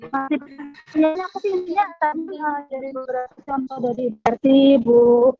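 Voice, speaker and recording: A woman's voice: sits high, fairly even intonation, normal speed. A woman on a video call in a casual online meeting, her audio breaking up and glitching, checking whether she can be heard. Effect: choppy, breaking-up internet audio. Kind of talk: casual chat. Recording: lo-fi video call with faint music.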